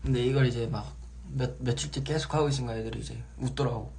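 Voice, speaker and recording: A young man hosting a casual live stream, relaxed and chatty, sometimes acting out how he sounds on the phone. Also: medium pitch, quick pace, gravelly. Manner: relaxed, chatty, acts out his own phone voices.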